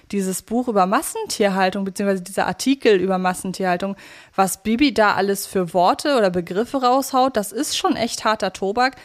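A woman co-hosting a casual fan podcast, talking in a chatty, reflective way. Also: mid-range voice. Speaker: podcast co-host.

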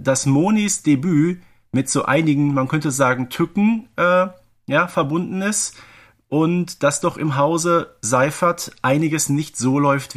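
A man of about forty co-hosting a podcast, talking in a conversational, analytical way. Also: on the high side. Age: around 40. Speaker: podcast co-host.

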